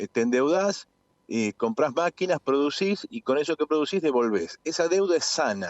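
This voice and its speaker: A man with a Rioplatense accent, fairly high in pitch, at a moderate pace with very wide pitch swings. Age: 60s. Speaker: professor and political activist. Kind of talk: interview. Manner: hesitant with fillers and repetitions.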